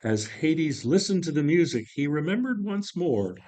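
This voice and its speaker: A man's voice: fairly high pitch, very animated, normal speed, a little mellow. A man reading narration from a play as dramatic storytelling. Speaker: narrator and reader.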